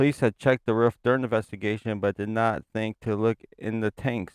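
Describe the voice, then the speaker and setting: A man speaks at a moderate pace and medium pitch in a monotone, flat intonation, the sound dry and close with no echo and a quiet background. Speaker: truck driver podcast host. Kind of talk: casual true crime podcast narration.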